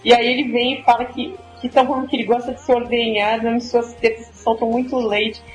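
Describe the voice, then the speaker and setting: A woman co-hosting a casual chat show, excitable and laughing often, acting out the lines she retells. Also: on the high side, quick pace, muffled recording, soft background music. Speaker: podcast co-host.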